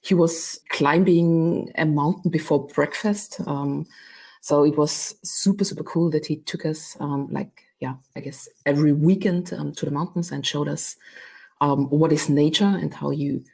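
A woman around forty from Austria, at home in her flat, chats as an upbeat interview guest in a casual conversation. Her deep voice has vocal fry, a darkish tone and a breathy edge, at normal speed. She is chatty and laughs often.

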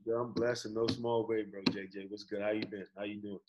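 A young man from the Bahamas with a Bahamian accent, a guest in a casual interview over a video call, relaxed and laid-back, often saying "bro" and "you know". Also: on the low side, brisk, lo-fi sound, crowd noise. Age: young adult. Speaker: guest, college athlete.

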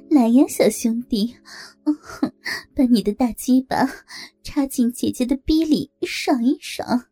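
A woman's voice: on the high side, animated, measured pace, long pauses, warm tone, husky, dry recording, faint music behind. A woman voicing a brazen, bossy older woman who teases, giggles and coaxes. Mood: flirty teasing. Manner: teasing, giggling, coaxing. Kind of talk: audio story reading.

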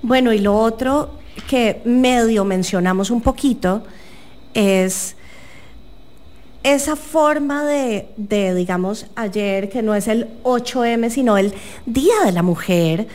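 Woman, 40s, Bogotá accent, slightly high voice, chatty and expressive host. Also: slow pace. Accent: Colombian, from Bogotá. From Colombia. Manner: expressive, chatty, laughs easily. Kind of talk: casual interview chat.

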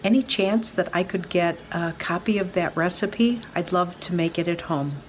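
Woman, lowish voice, polite and gentle, faint room hum. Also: moderate pace. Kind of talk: casual home video testimony.

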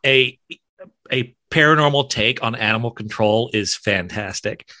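Podcast host, man with a light Southern accent, bright tone, stumbling but eager. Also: mid-range voice. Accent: mild Southern US. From South Central Alabama, USA. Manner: halting, many restarts, friendly enthusiasm. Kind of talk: casual interview chat.

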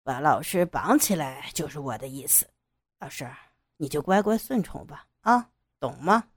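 A woman voicing a menacing young man who mocks and threatens his captive in a slow, sneering way. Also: low-pitched, lively intonation, husky, voice pushed down. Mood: mocking. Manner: mocking, threatening drawl.

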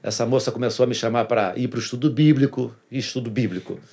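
A man's voice: medium pitch, quick pace, a little mellow, breathy edge. A pastor tells his personal testimony in a casual interview, earnestly repeating phrases for emphasis.

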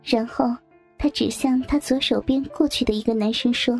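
A woman narrating a first-person story softly, with music behind. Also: on the high side, normal speed, vocal fry.

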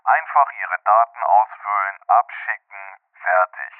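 A man's voice: on the low side, a little slow, smooth, no echo. A man voicing an airline captain in a scripted ad, speaking formally as if over a cockpit intercom to the cabin. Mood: announcing. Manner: formal, welcoming announcer delivery. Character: male airline captain making a cabin announcement. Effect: pilot announcement over a cabin intercom, thin and phone-like. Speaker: advertisement voice. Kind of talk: scripted radio ad. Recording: tinny intercom-like ad audio, distant.

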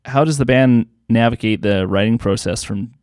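A man's voice: medium pitch, normal speed, a little mellow, no echo, studio quality. A Canadian man hosting a podcast, asking a guest prepared, informative questions. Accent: Canadian English. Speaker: podcast host. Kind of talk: interview questions.

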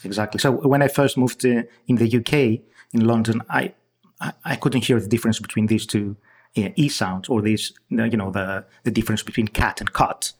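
A man's voice: on the low side, steady tone, normal speed, slightly rough. A man from Greece with a Greek accent, a guest researcher in an interview, explaining with frequent restarts and fillers. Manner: hesitant, many restarts and fillers.

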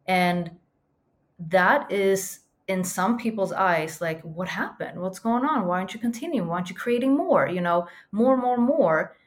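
A woman's voice: medium pitch, expressive, measured pace. A woman from Sweden with a light Swedish accent under a mostly American sound, speaking earnestly and reflectively as a podcast guest. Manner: earnest, reflective, emphatic repetitions. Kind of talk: conversational interview.

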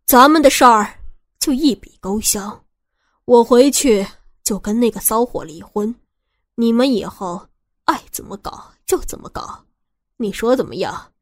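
A sneering, menacing man in an audio story, as a woman narrator puts him on, low and cold in his threats but still in a fairly high voice. He speaks slowly and deliberately. The sound is dry and close. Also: no echo. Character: cold, menacing middle-aged man with a shotgun.

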